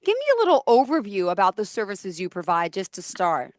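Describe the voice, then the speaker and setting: A woman hosting a podcast interview, bubbly and effusive, with her voice leaping upward in excitement. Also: mid-range voice, a little fast, no room sound, clean studio sound. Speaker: podcast host.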